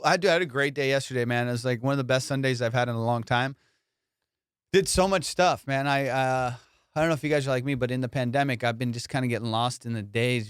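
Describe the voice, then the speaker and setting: A man's voice: medium pitch, smooth, dry recording. A male comedian hosting a podcast in casual, slangy, profane chat with a teasing comic manner, recorded close.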